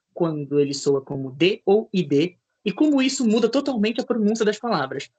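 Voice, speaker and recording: A man hosting an English course, welcoming students and introducing the day's lesson. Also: high-pitched. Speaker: course host.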